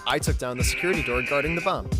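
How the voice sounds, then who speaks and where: A woman playing the brisk leader of a bomb-defusal team in a comedy short film, deadpan and businesslike. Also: rumbling low, loud music behind the voice.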